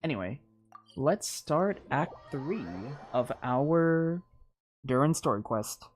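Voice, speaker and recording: A woman's voice: deep voice, lively intonation, takes it slowly, a little mellow, slight background noise. A woman livestreaming a game with casual, rambling, exclamatory commentary. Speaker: game streamer.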